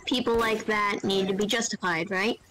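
A woman's voice: medium pitch, steady tone, normal speed, fairly bright tone, poor audio. Woman on game voice chat being all mock serious like a therapist, bit of background noise. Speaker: online game player.

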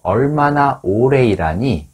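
A man teaching an English lesson in Korean, patiently drilling short phrases and repeating each one slowly. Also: medium pitch, animated, husky.

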